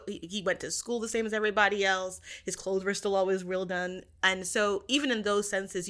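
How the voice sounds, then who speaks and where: Female interview guest, bright crisp-edged tone, casual but articulate, analytical conversational commentary. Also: medium pitch.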